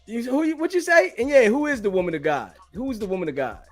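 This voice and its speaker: A man with a high voice hosts a heated call-in show over faint music. He is brash and dismissive, cursing freely as he pushes back in the debate. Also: wildly swooping pitch, fast talker. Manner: brash, combative, profane, dismissive. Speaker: talk show host.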